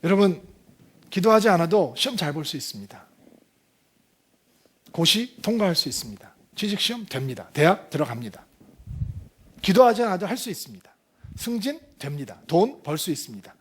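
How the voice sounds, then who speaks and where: A man's voice: high-pitched, very animated, normal speed, pauses often, breathy edge. A male pastor preaching a sermon, asking the congregation pointed rhetorical questions with emphatic delivery.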